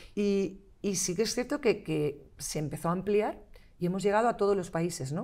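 A woman's dark, mellow voice at medium pitch, with lively intonation at a moderate pace over a quiet background. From Spain, Pilas (Seville, Andalusia); Andalusia, Spain. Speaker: film director and festival organizer; guest. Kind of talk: interview. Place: studio. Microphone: lapel.

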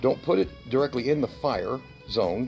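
There is faint music in the background. Against it, a man speaks at a moderate pace. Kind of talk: tutorial. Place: workshop. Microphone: phone near.

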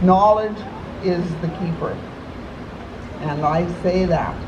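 A woman speaks at a fairly slow pace. There is noticeable background noise behind her. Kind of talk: public address at an event. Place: stadium. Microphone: camera far.

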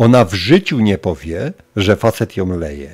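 A man speaks against a quiet background. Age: 50s. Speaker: gaming streamer. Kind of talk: live stream commentary. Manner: animated. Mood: serious, opinionated discussion. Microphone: headset.

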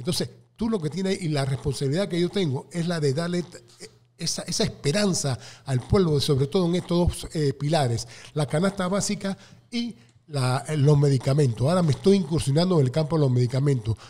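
At a fairly quick pace, a man speaks in a dark, mellow tone that is somewhat breathy, with lively intonation. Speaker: politician guest. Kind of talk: interview answer. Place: studio. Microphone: studio mic.

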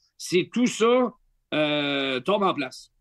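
A man speaks at a high pitch with ordinary pitch variation. The background is quiet and the sound is dry with no echo. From Quebec. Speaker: hockey play-by-play commentator. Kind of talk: casual chat. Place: office. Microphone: video call.

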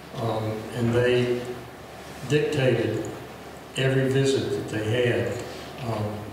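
A man with an American accent speaks very slowly at a medium pitch in a flat, monotone way, leaving long, frequent pauses. Strong room echo and noticeable background noise fill the recording. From North Carolina, US South. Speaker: local historian and record collector. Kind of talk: panel discussion. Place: meeting room.

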